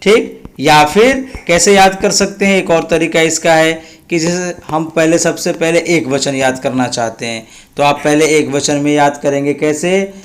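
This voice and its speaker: A man teaching a Sanskrit lesson online, chanting word forms slowly and clearly for pupils to repeat, with quick explanations between the drills. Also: on the high side, echoey room.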